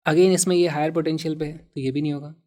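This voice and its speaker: A man explains physics problems step by step. He talks in a lively way and leans hard on key words. He drops English terms in as he goes. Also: on the high side, fast talker. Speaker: physics teacher.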